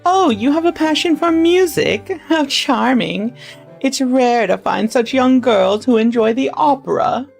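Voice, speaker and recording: A woman's voice: sits high, expressive, a little slow, vocal fry, darkish tone, faint music behind, pitched above the performer's own voice, heavily acted. A woman voicing an elderly, courteous English noblewoman in a genteel, effusive old-lady voice as she reads a story. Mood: charmed. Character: elderly English noblewoman, fond, courteous, passionate about opera.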